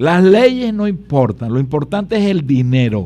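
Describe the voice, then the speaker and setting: A man's high-pitched voice with a dark, mellow tone and very wide pitch swings. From Venezuela, El Tigre, Anzoátegui. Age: 60s. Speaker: psychiatrist and radio host. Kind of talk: radio talk show.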